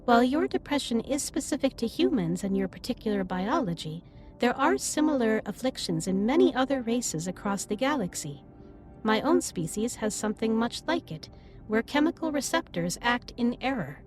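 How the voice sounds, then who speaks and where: A caring female alien captain acted by a woman speaks in a fairly high voice with formal, measured phrasing. She is gentle and reassuring, as in an intimate sci-fi roleplay drama. Music plays behind her. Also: very animated. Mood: calm, caring. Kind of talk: scripted roleplay audio drama, intimate comforting monologue. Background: ambient music.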